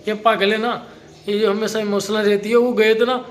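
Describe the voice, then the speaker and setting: A man's voice: high voice, flat delivery, moderate pace. A man hosting a casual family vlog, comforting his partner in a coaxing way and talking to viewers. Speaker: vlogger host.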